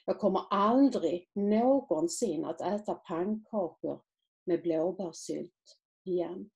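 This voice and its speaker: Low gravelly woman reading her novel. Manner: measured, quiet literary reading. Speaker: author.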